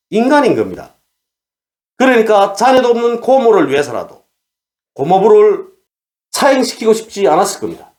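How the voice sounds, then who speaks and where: A man delivering solo commentary in a high, lively voice that swings widely in pitch. He argues his case step by step and keeps throwing rhetorical questions at the listener. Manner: argumentative, asks rhetorical questions. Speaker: commentator on North Korea.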